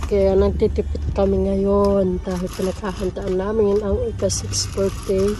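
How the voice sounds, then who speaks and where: A woman's voice: mid-range voice, little pitch movement, measured pace, background noise. A young Filipino woman chatting casually as a vlogger and mother in a home family video. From Philippines. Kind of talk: casual family vlog chat.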